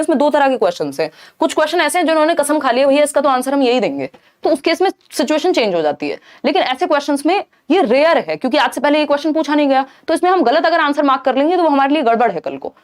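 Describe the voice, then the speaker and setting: A woman teacher giving a live online exam-prep lesson, explaining lively and often checking in with her viewers. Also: sits high. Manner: mixes Hindi with English terms.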